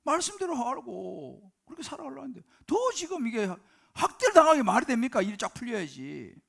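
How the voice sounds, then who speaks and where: A man preaching a Sunday sermon from a church pulpit, his voice high and edged with fry. He presses the congregation with rhetorical questions and emphatic turns. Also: very animated, brisk, a bit bright. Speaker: senior pastor. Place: church sanctuary during service.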